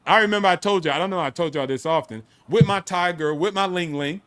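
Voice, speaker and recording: Male host, bright high voice, animated and boastful casual storyteller. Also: fast talker, clean tone.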